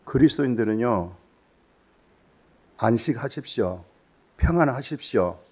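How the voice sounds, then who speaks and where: Male pastor, mid pitch, preaching in church: hammering rhetorical questions, loud bursts dropping to whispers. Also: expressive, unhurried, slightly rough. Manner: swings between loud exclamations and hushed, whispered asides; fires rhetorical questions at the congregation. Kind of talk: sermon.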